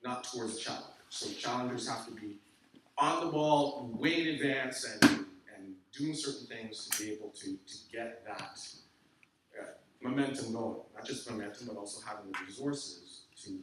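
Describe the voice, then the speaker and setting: A man's voice: medium pitch, normal speed, heavy background noise. A man speaking as guest at a civic meetup, emphatic and direct, often checking in with "okay?" as he answers audience questions. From Canada. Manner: emphatic, peppered with "okay?" and "I can tell you". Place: large echoey meeting room. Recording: echoey room from a distance.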